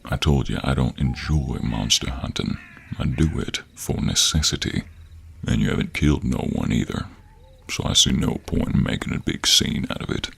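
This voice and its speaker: A man playing a gruff, teasing cowboy monster hunter with a gentlemanly streak in an intimate audio roleplay, drawling in a deep, gravelly, husky American cowboy accent. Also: animated, normal speed, full character voice. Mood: stern, dry.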